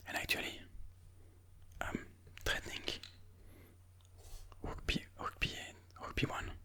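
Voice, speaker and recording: A person whispering ASMR game commentary in a breathy, mostly unvoiced voice, slowly and soothingly thinking aloud. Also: sharp tone. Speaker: ASMR chess video host.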